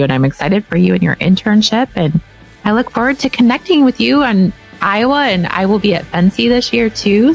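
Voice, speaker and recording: A woman's voice: mid-range voice, rough recording. A woman hosting a podcast, encouraging her guest as she asks questions and wraps up the show. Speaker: podcast host, dietitian. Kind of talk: interview and show outro.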